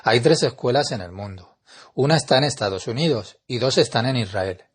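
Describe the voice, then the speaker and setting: A man teaching a spiritual lesson in an earnest, measured lecturing manner. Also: medium pitch, lively intonation, husky. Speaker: Kabbalah teacher.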